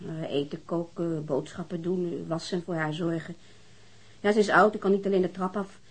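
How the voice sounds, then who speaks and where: A woman's voice: fairly low pitch, steady tone, a little fast, husky. A woman acting in a radio drama as a struggling mother, weary and guarded, with a plaintive manner.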